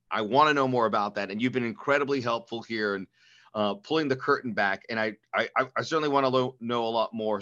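A man from the United States hosting a podcast casually, with an informal, halting delivery that often repeats words. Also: mid-range voice, pushed and bright. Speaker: podcast host. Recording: dull lo-fi audio.

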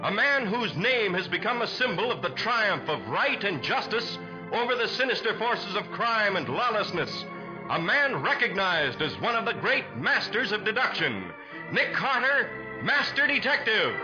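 A man's voice: sits high, sing-song, moderate pace, over music. An American man announcing and narrating a 1940s radio show with emphatic, dramatic salesmanship. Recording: muffled 1940s radio recording.

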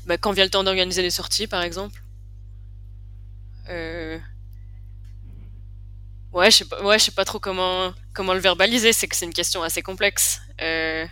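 A woman from Quebec with a softened Québécois accent, chatting as a podcast guest in a thoughtful way, often restarting her sentences as she searches for words. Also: lowish voice. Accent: Québécois, partly softened. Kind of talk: casual podcast chat.

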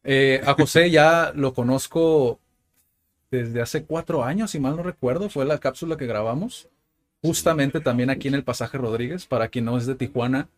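Un presentador de podcast que conduce una entrevista relajada. Su voz tiene un tono medio. Pregunta con soltura, con un trato cercano y muletillas como "¿no?". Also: male voice, mid-range voice, normal speed. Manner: friendly, loose, frequent "¿no?" tags. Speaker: podcast host, interviewer. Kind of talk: casual interview. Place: indoor arcade.

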